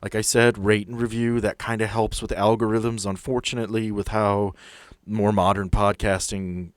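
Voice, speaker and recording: A man's voice: on the low side, level tone, normal speed, no echo, clean studio sound. A man chatting casually as host and game master of a podcast, earnest and plain-spoken.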